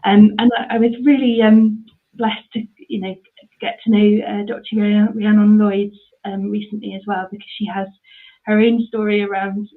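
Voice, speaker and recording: Answering interview questions on her charity work, a thirty-something woman from mid Devon, England, who works in charity ministry, keeps saying um and restarting her sentences. Her mid-range voice is flat and moderately paced, coming through a tinny, phone-like line.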